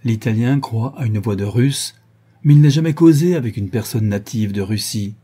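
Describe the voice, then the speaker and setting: A man reads a young gentleman detective in an audiobook, laying out his deductions with cool method. The voice is very dark and husky, and the delivery stays calm and measured, like a patient lecture. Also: medium pitch, natural voice. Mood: reasoning. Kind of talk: audiobook reading.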